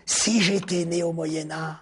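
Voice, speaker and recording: A man giving a spoken philosophy lecture, drawn out and rhetorical, repeating key words and dropping suddenly into a hushed near-whisper. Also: a little high, steady tone, noisy background. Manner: deliberate, drawn-out phrasing with sudden hushed drops.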